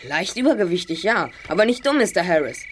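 A woman's voice: fairly low pitch, sing-song, fast, slight background noise. A clever, indignant boy detective in an audio drama. The youthful voice is precise and haughty. Faint outdoor ambience runs behind it. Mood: indignant, cutting. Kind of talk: German audio drama acting.

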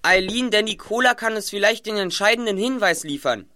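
A clever teenage boy detective in a radio play, calmly talking someone into his plan. His voice is high and bright. He speaks with measured, reasoned persuasion. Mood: persuasive. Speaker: Justus, radio play character.

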